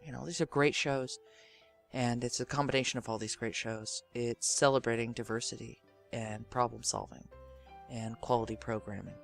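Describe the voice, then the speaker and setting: A man's voice: medium pitch, steady tone, normal speed, vocal fry, a bit bright, faint music behind. A man hosting a podcast, talking informally and directly to listeners in an earnest, emphatic, rambling way. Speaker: podcast and radio drama host.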